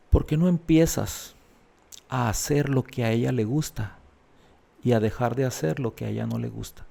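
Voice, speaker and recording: Man, mellow low timbre, creaky edge, earnest testimony, acts out quoted dialogue. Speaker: guest telling his life story. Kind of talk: personal testimony in an interview.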